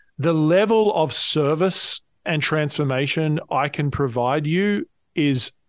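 With an Australian accent and a fairly high pitch, a man is heard in a dry, close recording with no echo and a quiet background. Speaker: business coach and speaker. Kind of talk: interview.

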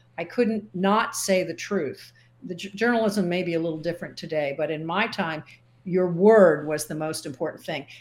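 With a plain, everyday voice, a woman with a fairly low pitch speaks at a moderate pace with ordinary pitch variation. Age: 60s. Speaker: former sportscaster and sports official. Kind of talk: interview.

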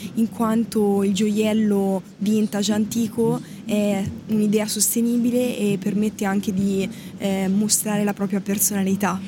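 A woman at a medium pitch and very slow pace, with noticeable background noise. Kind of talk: interview at a trade fair.

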